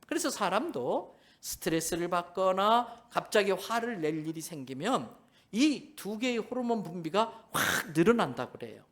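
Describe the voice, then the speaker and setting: A male pastor preaching a sermon at a church service. He is animated, acts out bits of dialogue and swings between soft and loud delivery. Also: sits high, normal speed.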